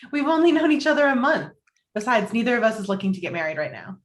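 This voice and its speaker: A woman's voice: fairly high pitch, sing-song, fairly quick. A woman playing Sally, a fussy, wry and skeptical young journalist, in a table read of a romantic comedy script. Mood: skeptical, amused. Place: indoor room, virtual table read.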